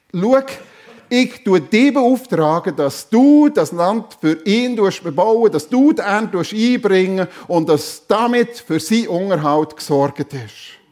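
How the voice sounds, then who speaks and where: A benevolent king speaks with earnest insistence, voiced by a male preacher. The voice sits high and unhurried, with a lilt. He explains his wishes patiently, like someone settling matters for good. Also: a little mellow. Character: benevolent middle-aged male king, generous and commanding.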